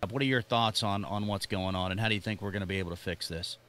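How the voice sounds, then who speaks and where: A man's voice: on the low side, quick pace. Male radio host asking easy questions. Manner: brief questions and steady backchannel. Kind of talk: casual interview hosting. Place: radio studio.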